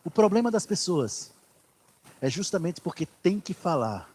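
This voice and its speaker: A pastor preaching a sermon in church, swinging from loud declarations to hushed asides. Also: male voice, high-pitched, very animated, measured pace, slightly rough.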